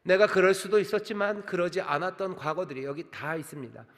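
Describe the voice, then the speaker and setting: A male pastor giving a sermon, earnest and sorrowful, dropping into quiet repeated laments. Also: high voice, fast, long reverb tail. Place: large church sanctuary.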